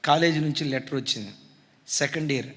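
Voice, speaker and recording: A man's voice: fairly high pitch, a little fast, fairly bright tone, long reverb tail. A male pastor preaching an impassioned sermon, acting out the people in his story.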